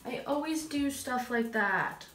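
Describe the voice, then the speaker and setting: This beauty vlogger is a young woman whose voice sits high and moves a little slowly, thick and nasal from a stuffed-up nose. She's chatty and effusive, poking fun at herself while doing a makeup tutorial indoors in a small home room. The sound is reverberant, and dogs can be heard playing nearby.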